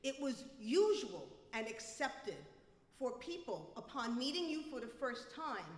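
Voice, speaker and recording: A woman from New City, telling a comic personal story live, wry and animated. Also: on the high side, measured pace. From New York City. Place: live venue, reverberant room. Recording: echoey hall reverb.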